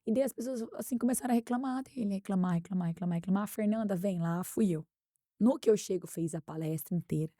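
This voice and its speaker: A woman with a Brazilian accent, speaking as a guest expert in an interview and telling anecdotes in a lively way. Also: medium pitch, quick pace, no room sound, studio quality. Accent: Brazilian Portuguese. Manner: animated anecdote-telling, acts out quotes. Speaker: guest expert on workplace harassment. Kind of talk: conversational interview storytelling.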